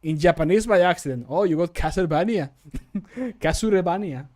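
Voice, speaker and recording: A man in his thirties with a fairly high voice chats casually as a streamer at home. His manner is joking and self-deprecating, with loose swearing. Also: lively intonation, normal speed, a little mellow. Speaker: streamer recording mod voice lines. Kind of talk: casual livestream chat. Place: indoor home room.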